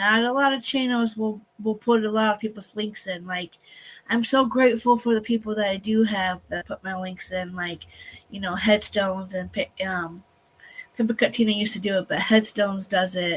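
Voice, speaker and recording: Soft-spoken and somewhat breathy, a woman talks at a fairly high pitch. Her intonation stays fairly even. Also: moderate pace. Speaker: YouTube commentary streamer. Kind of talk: casual livestream monologue. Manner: halting.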